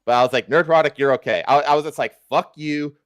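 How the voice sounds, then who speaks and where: A man's voice: a little high, quick pace, a bit bright, clean tone, no echo, studio quality. A man hosting a livestream, ranting casually with emphatic, repetitive, profane talk. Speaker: livestream host.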